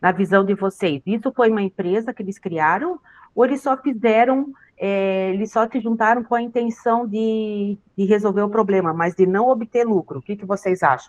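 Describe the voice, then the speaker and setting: A woman talks at a moderate pace with a medium pitch and ordinary pitch variation. The sound is dry and close with no echo. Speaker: teacher. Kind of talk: online lesson. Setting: video call from an open place. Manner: soft-spoken.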